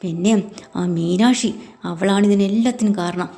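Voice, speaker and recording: A man's voice: high voice, normal speed, mellow. A woman voicing a sly, hot-tempered young man who keeps denying things and then makes bitter threats. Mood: furious.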